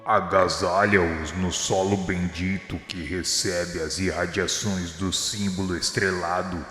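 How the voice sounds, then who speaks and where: A Brazilian man playing Jesus as a gentle, solemn divine spirit in a religious radio drama, speaking slowly in exhortation. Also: deep voice, fairly even intonation. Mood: solemn, tender. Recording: long echoing reverb, music behind. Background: music.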